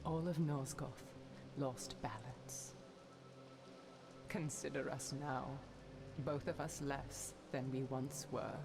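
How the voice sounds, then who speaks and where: A sorrowful, embittered female spirit from a fantasy game. She speaks in formal, solemn phrases, very slowly and low for a woman. Clear music plays behind her. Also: fairly even intonation, exaggerated voice. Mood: mournful. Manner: solemn, slow, mournful formal diction. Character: sorrowful female ghost, bound for a century, bitter, unyielding. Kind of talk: dramatic video game dialogue.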